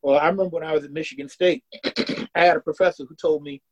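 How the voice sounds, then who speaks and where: Man around sixty, from the American South, earnest, repeats and restarts words, higher-pitched. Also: steady tone, fast, highs cut off. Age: about 60. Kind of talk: casual interview.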